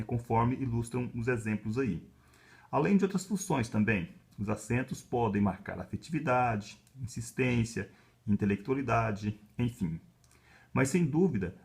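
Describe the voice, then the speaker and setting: A Brazilian male university professor with a Brazilian Portuguese accent gives an explanatory lecture in a calm, measured way, often checking in with little tags. His voice is medium-pitched with vocal fry.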